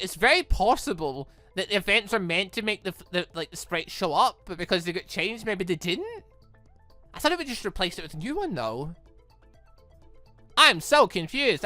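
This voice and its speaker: An excitable game streamer doing a let's play, exclaiming and stumbling while reading visual novel text aloud, with off-the-cuff commentary. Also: medium pitch, no echo. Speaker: gaming channel host. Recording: music playing under the voice. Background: background music.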